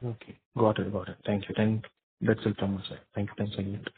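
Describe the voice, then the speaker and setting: A man's voice: fairly low pitch, flat delivery, a little fast, background noise. A man, an individual investor asking questions politely and hesitantly on an earnings call. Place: phone call. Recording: tinny narrow phone line.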